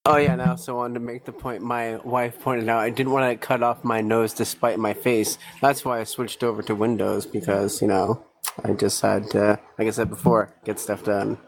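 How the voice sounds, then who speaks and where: A man's voice: on the low side, little pitch movement, normal speed, gravelly, a little hiss or hum. A man co-hosting a casual tech podcast, speaking in a plain conversational way. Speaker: podcast co-host.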